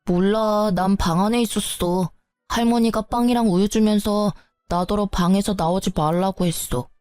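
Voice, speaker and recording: A woman's voice: mid-range voice, steady tone, normal speed, darkish tone, clear, resonant tone, dry recording, studio quality, faint music behind, lightly acted. A woman voicing a hungry, hurt young boy who asks innocent, plaintive questions, in storybook voice acting. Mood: sad.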